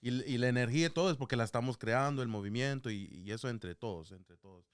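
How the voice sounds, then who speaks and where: A man with a clean, mid-pitched voice in a dry recording. He talks casually as a co-host, hopping between Spanish, English and French. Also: fast talker, clean tone, no room sound. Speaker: podcast co-host. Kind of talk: casual interview chat.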